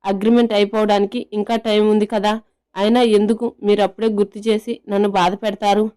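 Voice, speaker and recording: A lovesick young woman from an audio love story, as a female narrator voices her, soft and pleading and quick to feel hurt. Her tone is dark and mellow, with a clear, smooth sound. Her pitch stays narrow and flat. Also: close to an everyday voice.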